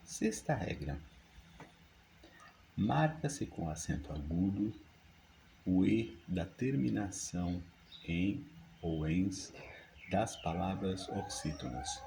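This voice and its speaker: A man, teaching a grammar lesson by reading rules and dictating example words slowly and deliberately. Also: sits low, big pitch swings, creaky, mellow, slight background noise, poor audio. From Brazil.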